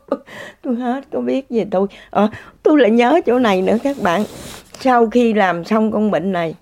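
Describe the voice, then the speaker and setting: A woman's voice: a little high, normal speed, a little mellow, a little hiss or hum. A woman tells her personal story in casual spoken testimony. She talks in an exclamatory way and laughs often. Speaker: speaker sharing a personal story.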